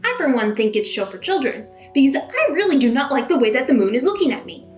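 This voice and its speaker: A woman's voice: sits high, sing-song, quick pace. A woman hosting and narrating a scripted video essay in a conversational way, leaning into dramatic emphasis. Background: background music.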